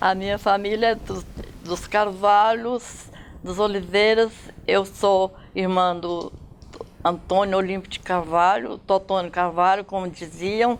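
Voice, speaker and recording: Fairly even intonation and a medium pitch mark this woman's voice. She talks at a very slow pace. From Brazil, Minas Gerais (Divinópolis area). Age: 80s+. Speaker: retired shop worker. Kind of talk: interview.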